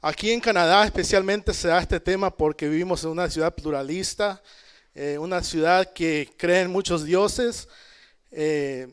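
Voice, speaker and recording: Man preaching with a smooth, higher voice. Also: measured pace. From El Salvador. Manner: conversational, calls out amen and checks in with listeners. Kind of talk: church Bible study teaching. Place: church in Canada.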